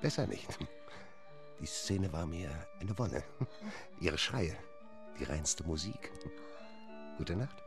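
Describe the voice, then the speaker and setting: Sinister Mister Hyde, deep, gloating. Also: male voice, expressive, slow, pauses often, full character voice. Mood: gloating menace. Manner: menacing, gloating, curt. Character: Mister Hyde, sinister cruel man gloating over violence. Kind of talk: German radio drama acting. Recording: music behind the voice.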